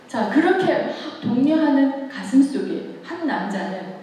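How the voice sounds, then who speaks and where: A woman in her sixties giving an earnest, emotive public lecture with expressive recitation and conversational asides to her listeners. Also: high-pitched, a little slow. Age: 60s. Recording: echoey hall, distant mic, background noise.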